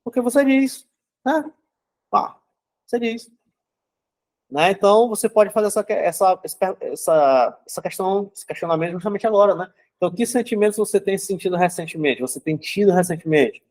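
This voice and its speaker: Speaking at a moderate pace, this young adult man has a high voice with a darkish tone. He delivers a relaxed psychology talk in a chatty way, often pausing to check on listeners with "né?" and "certo?".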